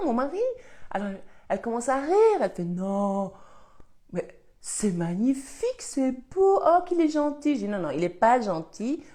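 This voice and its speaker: A woman's voice: medium pitch, darkish tone. A woman in her fifties from Belgium with a Belgian French accent, telling rambling anecdotes with frequent laughs while she has a slight cold. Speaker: host answering live questions. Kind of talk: casual storytelling chat.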